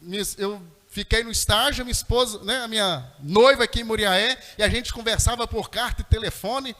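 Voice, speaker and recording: A middle-aged man preaches a fervent testimony in a very high, bright voice. He speaks straight to the congregation, and his words ring through a long, echoey church hall. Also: fairly quick. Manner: fervent storytelling, addresses the congregation directly. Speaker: missionary preacher. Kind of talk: sermon testimony.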